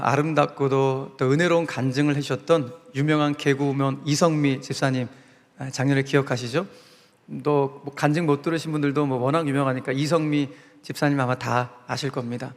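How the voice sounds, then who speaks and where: A man's voice: on the high side, long reverb tail. A male pastor preaching a sermon in a church sanctuary, retelling a story in an earnest, dramatic way.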